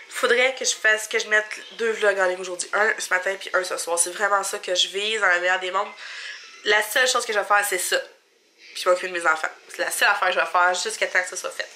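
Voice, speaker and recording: Speaking with a bright, forceful tone in a mid-range voice, a young woman vlogs indoors at home, rambling informally and thinking out loud. She's a mother with a Quebec French accent and a congested nose, and there's a little hiss or hum on the audio.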